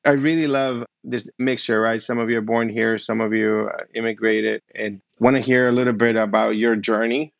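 A man's voice: mid-range voice, steady tone, moderate pace, vocal fry, hardly any pauses, no room sound, highs cut off. A middle-aged man hosting an interview podcast in an upbeat, welcoming way with plenty of follow-up questions. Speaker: podcast host.

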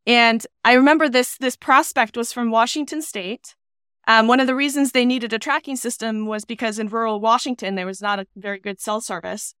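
This is a woman in her thirties, originally from Iceland, chatting as a podcast guest on a video call. Her voice sits a little high and comes through smooth and resonant, with lots of easy "you know" asides as she tells anecdotes. The sound is dry and close. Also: steady tone, a little fast, fairly bright tone, no room sound. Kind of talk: relaxed storytelling interview.

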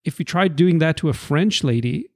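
A man's voice: a little high, expressive, normal speed, no echo, studio quality. A man in his forties from Israel, a guest on a podcast interview, explaining with examples and a wry touch. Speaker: guest, marketing executive.

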